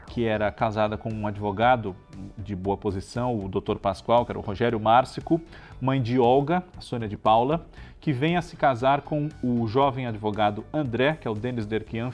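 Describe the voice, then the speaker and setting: A man's voice: medium pitch, darkish tone. A Brazilian man presenting in a conversational, chatty way, telling biographical stories and often adding little checking tags. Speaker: presenter of a show on television history.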